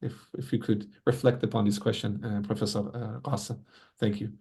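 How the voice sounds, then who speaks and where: A man hosts an online tribute from a video call. His low voice has a gravelly edge. He keeps his delivery even and courteous, peppered with blessings. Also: a little fast. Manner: courteous, many religious blessings. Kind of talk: formal moderating.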